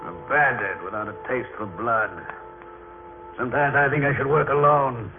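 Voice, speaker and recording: A man's voice: mid-range voice, normal speed, narrow, tinny audio, lightly acted. A man playing a cruel, scornful bandit leader in a radio drama, with a sly, bullying manner. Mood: scornful, menacing. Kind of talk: old-time radio drama acting. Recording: thin old radio recording, music behind.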